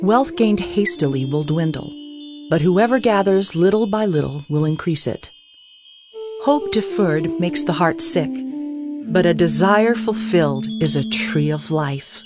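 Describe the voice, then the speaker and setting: A woman narrating scripture in a measured, declarative dramatized reading. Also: on the low side, lively intonation. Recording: instrumental music bed. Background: instrumental music with guitar.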